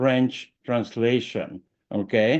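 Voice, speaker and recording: A man speaks at a very slow pace with medium pitch. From Hungary. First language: Hungarian. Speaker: sales team director and trainer. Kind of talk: online training presentation.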